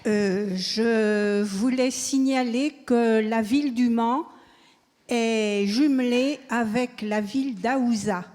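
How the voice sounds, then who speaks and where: A woman from the audience asking a question at a public talk, measured and deliberate. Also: fairly high pitch, darkish tone. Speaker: audience member. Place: large hall at a public event. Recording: reverberant hall.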